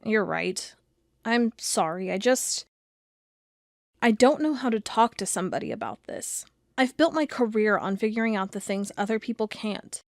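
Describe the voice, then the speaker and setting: An actress playing an intense, stubborn investigator of strange creatures in an audio drama, with a dramatic, expressive delivery. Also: female voice, medium pitch, moderate pace, no echo, studio quality, close to an everyday voice. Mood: contrite. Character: driven female cryptid investigator, sardonic, intense, stubborn. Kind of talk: audio drama narration and dialogue.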